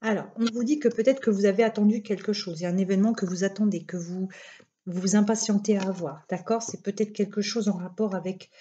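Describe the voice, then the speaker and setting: A woman's voice: medium pitch, steady tone, quick pace, mellow. A woman with a Belgian French accent doing a casual card reading, chatty and rambling with many fillers, just recovering from illness. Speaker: tarot card reader. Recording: dull lo-fi home recording.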